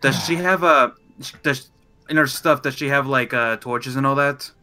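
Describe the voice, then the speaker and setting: A man playing a tabletop roleplay game, discussing plans in a measured, somewhat formal way. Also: mid-range voice, pushed and bright.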